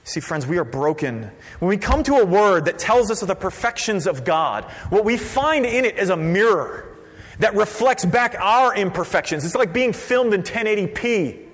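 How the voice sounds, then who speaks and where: A man preaching a sermon as pastor, conversational and lively, dropping to a quiet voice for emphasis. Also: sits high, normal speed. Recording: long reverb of a large hall.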